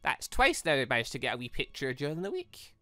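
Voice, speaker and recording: A man giving casual, animated game commentary as he thinks aloud in a rambling, expressive way. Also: mid-range voice, fast talker, no echo. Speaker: gaming channel host. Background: background music.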